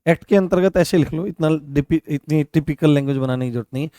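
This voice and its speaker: A man teaching law in an online class, speaking to his students and slowly repeating phrases so they can write them down. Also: fairly high pitch, dark tone, no echo, clean studio sound. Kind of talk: online class lecture with dictation.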